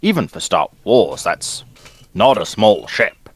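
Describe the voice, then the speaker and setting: A man's voice: lowish voice, sing-song, takes it slowly, slightly rough. A man chatting casually as a guest panelist, giving his opinions. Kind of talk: casual discussion of science fiction ships.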